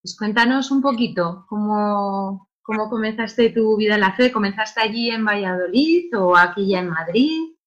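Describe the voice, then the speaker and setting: A woman hosts a radio interview at an ordinary middle pitch. She asks gentle, prompting questions of her guest. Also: normal speed, hardly any pauses, dull audio. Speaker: radio host.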